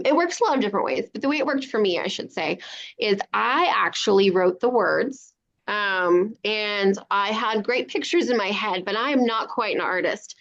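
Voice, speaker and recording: A woman's voice: mid-range voice, a bit bright. Woman children's author, slightly muffled call. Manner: encouraging, speaks simply to children. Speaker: children's book author, guest. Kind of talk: chatting to young children on a live online event.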